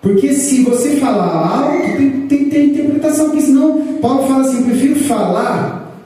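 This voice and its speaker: High-voiced Brazilian pastor in an echoey hall. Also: male voice, a little fast, dark tone, a little hiss or hum. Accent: Brazilian Portuguese. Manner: explanatory, rises in pitch to stress points, addresses congregation as brothers. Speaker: pastor teaching a church class. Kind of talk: teaching sermon. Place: church hall. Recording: echoey hall, picked up from a distance.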